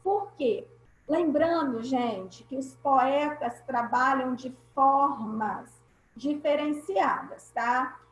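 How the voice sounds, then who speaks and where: A woman teacher with a Brazilian Portuguese accent speaks extremely slowly in a high voice while giving an online class over a video call. She's patient, explaining step by step and repeating key points, and the room sounds echoey.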